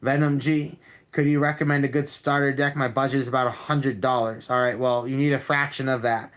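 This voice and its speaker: A man reading tarot cards on a live stream, talking calmly and repeating himself, with frequent restarts. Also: medium pitch, fairly quick. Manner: calm, repetitive, with many restarts.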